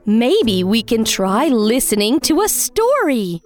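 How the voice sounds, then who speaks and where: A gentle motherly queen, as a woman puts her on. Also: fairly high pitch, big pitch swings, takes it slowly, faint music behind, voice pushed up. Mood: coaxing. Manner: soft, coaxing and motherly.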